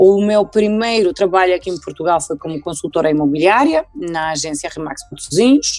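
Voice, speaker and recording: A woman speaks at a moderate pace in a fairly low voice with lively intonation, big swings in loudness and hardly any pauses. Noticeable background noise runs underneath. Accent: Polish. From Poland. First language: Polish (speaking Portuguese). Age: 30s. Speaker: real estate franchise owner. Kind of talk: interview.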